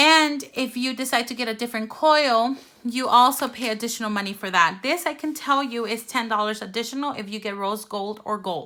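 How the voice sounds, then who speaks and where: A woman with a bright, sharp tone and a fairly high pitch talks at a fairly quick pace with hardly any pauses and ordinary pitch variation. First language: Spanish. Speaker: YouTuber and elementary teacher. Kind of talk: product review. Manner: animated.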